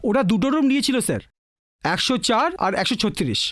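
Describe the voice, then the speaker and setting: An actor playing a deferential, flustered subordinate in a film melodrama, obedient and hurried as he reports. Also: high-pitched, very animated, fairly bright tone, no room sound. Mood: deferential, urgent. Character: flustered, deferential hotel employee or junior subordinate. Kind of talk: Bengali film melodrama acting.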